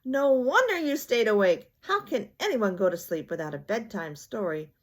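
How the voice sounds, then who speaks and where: A woman voicing an exuberant, bouncy male tiger from a storybook, excitable and full of exclamations. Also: mid-range voice, moderate pace, voice pushed up, close to an everyday voice. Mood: triumphant.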